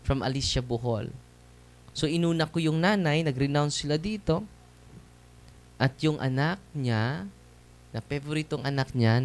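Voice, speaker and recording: A man, a Catholic priest, giving a conversational testimony sermon to a seated audience, often tossing tag questions back at them. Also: mid-range voice. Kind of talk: preaching testimony to a live audience. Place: church or hall with seated audience.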